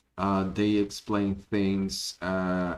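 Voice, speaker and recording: A man's very deep, low voice at a very slow pace. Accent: Spanish. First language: Spanish. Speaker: 3D modeling tutorial creator. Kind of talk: live stream Q&A. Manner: halting, many fillers and repetitions.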